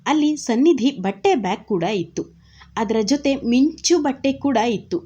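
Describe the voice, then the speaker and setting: Female narrator for a serialized drama novel, steady and dramatic, warm low-fi sound. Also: measured pace, slightly rough, dull audio. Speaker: storyteller.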